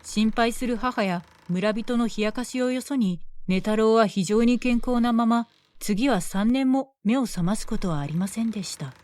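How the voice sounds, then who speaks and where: A woman telling a folk tale as a bedtime story in a gentle, measured way. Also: fairly high pitch, no room sound.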